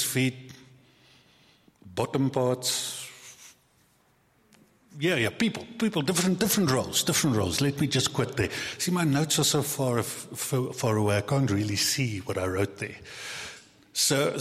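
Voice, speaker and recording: A male pastor preaching a sermon in a church, animated and conversational, acting out quoted voices and joking with his congregation. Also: mid-range voice, normal speed. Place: church sanctuary. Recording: long reverb of a large hall.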